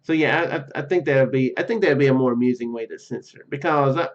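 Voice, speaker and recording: A man's voice: medium pitch, fast talker. A man giving casual, rambling let's-play commentary, hesitating and repeating his words as he goes. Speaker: let's-play video host. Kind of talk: casual gameplay commentary mixed with reading dialogue aloud. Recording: dull lo-fi mic with faint music.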